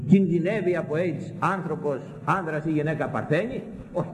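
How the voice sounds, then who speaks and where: A man preaching a sermon with fiery repetition, his voice leaping up into high exclamations. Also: in a large hall, rough recording.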